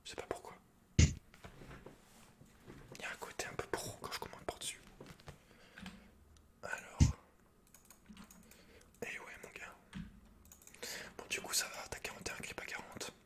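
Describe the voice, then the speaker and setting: A man's voice: measured pace, pauses often, a bit bright. A man whispering casual ASMR gaming chat as a streamer, swearing freely and repeating short slangy phrases close to the microphone. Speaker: video game streamer and ASMR host.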